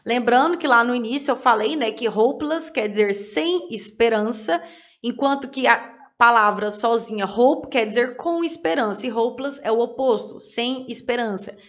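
A woman's voice: on the high side, moderate pace. A woman teaching English through song lyrics. She explains the lines word by word and repeats each phrase with its translation. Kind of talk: song-lyric language lesson.

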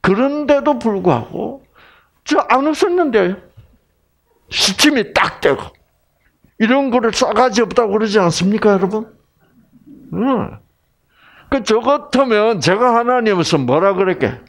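A man giving a lively, teasing Bible lecture who keeps asking his audience questions. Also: high voice, moderate pace.

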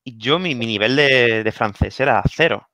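A man with a Spanish accent from Spain talks through language-learning advice in a relaxed interview. He is animated and repeats key phrases, checking in with "¿vale?". His voice is bright and forceful, recorded dry and close. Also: medium pitch, normal speed, no room sound. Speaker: guest giving language-learning tips. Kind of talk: casual online interview.

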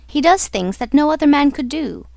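A woman's voice: high-pitched, animated, normal speed, vocal fry, a little mellow, dry recording, clean studio sound, voice pushed up. A woman voicing a fearful, earnest young female opera singer in a dramatic, pleading manner for a storybook.

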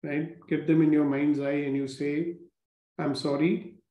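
A man guides listeners through a gratitude meditation in a slow, calm, repetitive way. His voice is mellow and sits a little high. The recording is roomy and dull.

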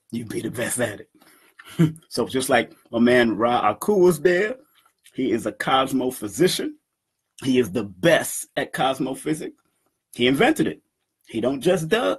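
A man in his fifties talking to his webcam from a room at home, animated and boastful, laughing often as he addresses his community. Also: medium pitch, slightly rough. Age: 50s. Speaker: event organizer and numerology teacher. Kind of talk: casual talk to camera. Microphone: webcam at desk.

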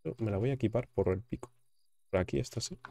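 A young man, a gaming YouTuber, chats casually during gameplay and repeats words as he reacts. His voice is lowish, gravelly and mellow, he talks fast, and the recording is dry.

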